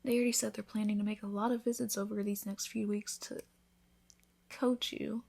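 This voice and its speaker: A woman voicing an affectionate, teasing newlywed vampire in an intimate, soft-spoken ASMR roleplay, with tender, breathy delivery. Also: mid-range voice, level tone, a little fast. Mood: reassuring, loving.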